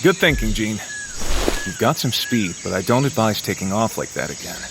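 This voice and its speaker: An actor playing an earnest, cautious superhero team leader in an audio drama, speaking in an instructive way. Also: male voice, lowish voice, expressive, normal speed, noisy background. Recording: clear outdoor jungle sound effects.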